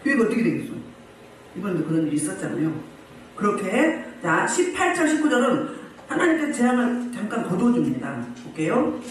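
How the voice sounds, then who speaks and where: A male pastor preaching a sermon in an emphatic, lively way, firing off rhetorical questions to the congregation. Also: high voice, fairly quick, far from the mic. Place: church meeting room. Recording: very echoey room, voice from afar, faint noise.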